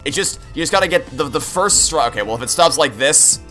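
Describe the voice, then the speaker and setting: A man's voice: fairly high pitch, expressive, quick pace, a bit bright. A young man giving casual, opinionated, rambling commentary as he plays through a video game. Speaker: video game playthrough streamer. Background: game music.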